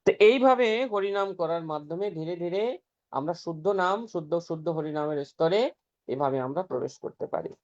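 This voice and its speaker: A man's voice: on the high side, lively intonation, moderate pace. A man giving an earnest devotional scripture talk, explaining step by step and chanting some passages aloud. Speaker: preacher. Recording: dull lo-fi recording.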